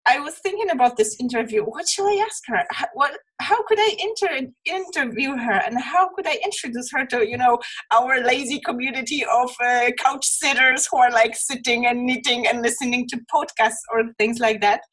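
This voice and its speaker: A woman's voice: high voice, normal speed, fairly bright tone, breathy edge, rough recording. A woman hosting an interview, talking in a friendly, rambling way with many fillers. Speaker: interview host. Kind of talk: casual interview chat.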